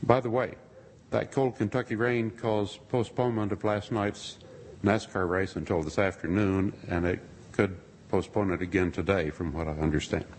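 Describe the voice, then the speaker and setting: A man giving a sermon-style talk to a congregation, with dry, wry asides and a husky voice. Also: fairly low pitch, steady tone, normal speed, a little hiss or hum. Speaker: speaker addressing a congregation. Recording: long reverb of a large hall.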